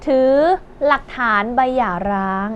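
A young woman co-hosting a TV music show, chatting, teasing her partner and telling gossip news in a bubbly, rapid-fire way. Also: medium pitch, highs cut off, a little hiss or hum.

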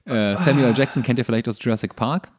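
A man with a medium-pitched voice chats casually as a podcast co-host. He explains things in detail, often feeling his way through the phrase as he goes. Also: fast talker, darkish tone. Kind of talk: casual chat.

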